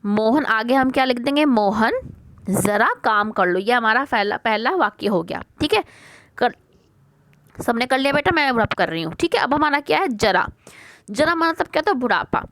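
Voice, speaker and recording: A woman teaching a worksheet lesson to young pupils. She asks a question, answers it herself, repeats the words slowly and calls the children "beta". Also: a little high, lively intonation, a bit bright, no room sound. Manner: mixes English words like question, first into her talk.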